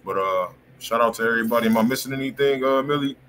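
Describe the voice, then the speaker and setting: A man's voice: mid-range voice, fast talker, fairly bright tone. An American man, around his thirties, hosts a music review live stream with casual, slangy banter. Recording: noisy live-stream room audio.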